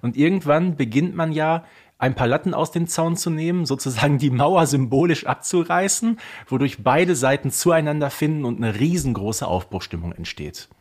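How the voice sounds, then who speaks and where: A man's voice: fairly high pitch, expressive, normal speed, darkish tone. German man in knowledgeable podcast talk. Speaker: podcast co-host or guest. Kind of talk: casual podcast discussion of audio plays.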